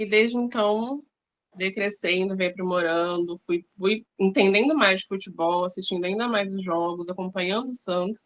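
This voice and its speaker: With a normal speaking voice, a woman talks at a moderate pace and ordinary pitch variation. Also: medium pitch for a woman. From São Vicente, São Paulo coast, Brazil. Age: 20s. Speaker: football fan. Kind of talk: casual interview chat.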